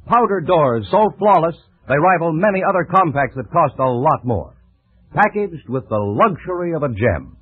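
A man's voice: a little high, slightly rough, no room sound. An American man announcing in old-time radio style, polished, emphatic and promotional. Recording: tinny old radio broadcast.

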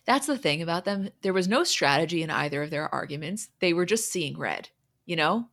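A woman's voice: lowish voice, lively intonation, fairly quick, gravelly, a bit bright. A woman hosting a podcast, recapping in a casual, conversational way as she retells who said what. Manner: conversational, retells quoted dialogue scene by scene. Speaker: podcast host.

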